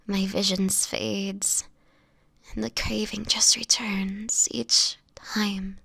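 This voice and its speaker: A woman playing a sickly homeless vampire in an audio roleplay, guilt-ridden and protective, with halting, pleading, breathy speech that often drops to a whisper. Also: mid-range voice, a bit bright, no echo, full character voice. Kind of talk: dramatic audio roleplay monologue.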